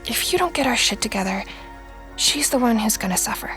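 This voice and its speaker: Very high female voice, earnest and full of feeling. She plays an artistic dreamer in an audio drama, with faint music underneath. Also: expressive, fairly quick, fairly bright tone. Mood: earnest, emotional. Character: emotional mother and bored artistic teenage girl Lisa. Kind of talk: fiction podcast voice acting.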